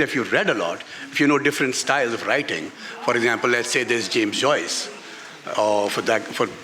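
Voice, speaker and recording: A middle-aged man with a Pakistani accent, an author on a festival panel, answers candidly at a live literary festival session in a garden venue, with background noise from the event. He speaks emphatically, repeating phrases for stress, in a medium-pitched voice that sounds pushed and bright.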